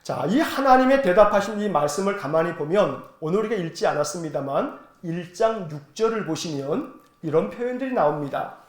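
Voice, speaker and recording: A male pastor delivers a Sunday sermon in a church sanctuary. He speaks in a high register and lays out the history step by step, asking rhetorical questions along the way. His voice echoes through the roomy hall. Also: lively intonation, brisk. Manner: explanatory storytelling, rhetorical questions to the congregation.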